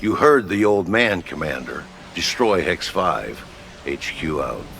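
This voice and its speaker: An actor playing a gruff military headquarters officer who gives brisk, blunt orders over the radio. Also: male voice, low voice, lively intonation, exaggerated voice. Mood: commanding. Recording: game cutscene with loud music behind.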